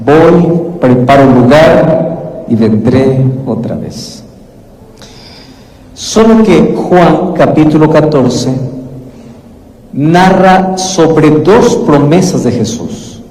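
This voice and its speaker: A man preaching a sermon in a measured way, lifting his voice for emphasis when he quotes what others say. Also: a little high, expressive, mellow. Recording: echoey hall with long reverb.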